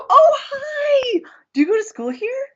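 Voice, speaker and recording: A woman playing an encouraging, excitable young college radio co-host in an audio drama. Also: extremely high pitch, slow, dull audio, full character voice. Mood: excited. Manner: gushing, excitable.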